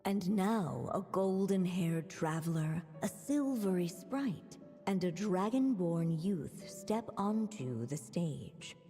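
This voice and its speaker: Hushed, poised storybook narrator; mellow and slow with lingering reverb. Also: female voice, lowish voice, expressive, faint music behind. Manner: measured, hushed, mysterious. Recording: long reverb.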